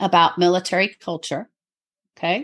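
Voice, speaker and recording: A woman speaks in a passionate, energetic tone against a quiet background. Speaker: podcast guest, military ministry leader. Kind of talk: conversational, persuasive.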